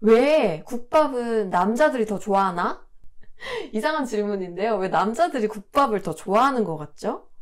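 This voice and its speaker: A woman has an ordinary speaking voice at a fairly high pitch. She talks at a fairly slow pace with lively intonation. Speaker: podcast host and Korean teacher. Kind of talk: casual podcast chat.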